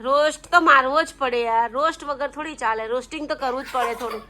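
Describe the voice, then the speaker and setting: A woman's voice: high voice, brisk, a loud crowd. A mother in her thirties chatting to camera in a casual family vlog, scolding and teasing her sons. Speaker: mother and vlogger.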